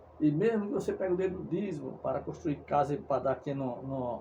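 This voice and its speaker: Speaking at a fairly quick pace, a man has a fairly high pitch and a dark, mellow tone. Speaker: evangelical preacher. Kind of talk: preaching monologue.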